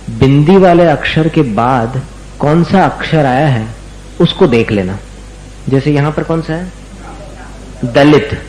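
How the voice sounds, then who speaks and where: Slow, patient man in an echoey room. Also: a little high, a little mellow, slight background noise. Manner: patient, repeats words slowly for students to copy. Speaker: religious teacher. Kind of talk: slow recitation lesson.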